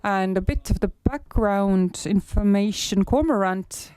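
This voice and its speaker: A man with an Estonian accent, hoarse today, giving a research presentation in a halting way with many filler sounds. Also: sits high, darkish tone, dry recording. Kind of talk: conference presentation.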